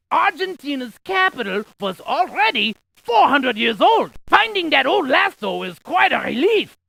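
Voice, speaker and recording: A man voicing an excitable, quirky scientist in a video game, with a creaky voice and a folksy, jokey, exaggerated delivery. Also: very high-pitched, no echo, heavily acted, poor audio. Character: excitable, quirky scientist tour guide, full of folksy quips. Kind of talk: cartoonish video game character lines.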